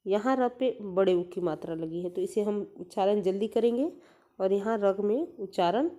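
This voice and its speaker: A woman's voice: medium pitch, mellow. A woman teacher giving a grammar lesson to young children, patiently repeating each word aloud and explaining letters and vowel signs step by step.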